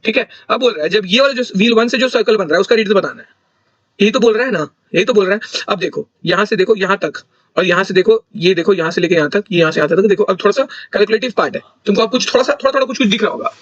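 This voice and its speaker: High-voiced young man talking through solutions. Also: very fast, dry recording, muffled recording. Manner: thinks aloud, corrects himself mid-sentence. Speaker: exam solution tutor. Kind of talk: casual explanatory walkthrough.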